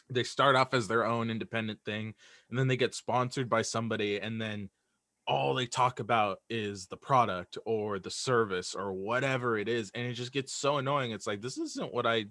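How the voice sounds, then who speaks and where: A young man speaking as an interview guest in casual chat, earnest and halting, often repeating words as he thinks. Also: fairly low pitch, fairly even intonation, bright, forceful tone, no room sound, clean studio sound. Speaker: guest, audio drama creator.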